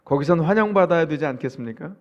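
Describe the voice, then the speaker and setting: A man's voice: fairly high pitch, lively intonation, quick pace, highs cut off. A male pastor from the Chungcheong region gives a sermon in a conversational style, often asking his listeners questions. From Chungcheong, South Korea. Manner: conversational preaching, asks the congregation rhetorical questions.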